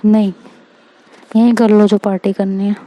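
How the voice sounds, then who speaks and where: A woman's voice: mid-range voice, little pitch movement, normal speed, mellow, natural voice, rough recording. A woman voicing a strict, suspicious adult sister-in-law who scolds and warns in a story she narrates. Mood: stern.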